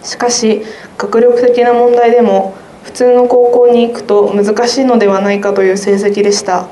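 A woman's voice: fairly high pitch, little pitch movement, normal speed, warm tone. A teenage girl, a student guest, reading her own essay aloud in a careful, earnest way. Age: teens. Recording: roomy sound with faint noise.

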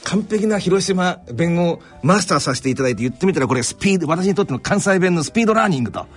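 A man from Kanto chats on a radio talk show, his voice swinging up and down as he rattles off animated stories full of fillers. He speaks quickly from a studio, with faint music behind. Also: high-pitched, slightly rough. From Kanto, Japan. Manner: animated storytelling with many fillers. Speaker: radio interviewer.

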